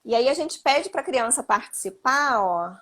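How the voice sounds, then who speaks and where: A woman's voice: high voice, lively intonation, moderate pace, a bit bright. A Brazilian Portuguese-speaking woman, a psychologist, explaining parenting advice on a live stream, often adding tag questions. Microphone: phone or video call.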